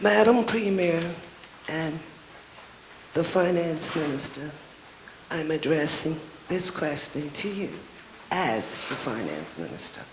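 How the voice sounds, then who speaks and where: Against noticeable background noise and audible room echo, a woman with a fairly low pitch and ordinary pitch variation speaks at a very slow pace with long, frequent pauses. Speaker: audience member at town hall. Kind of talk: public question at town hall meeting. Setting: town hall meeting. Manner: formal.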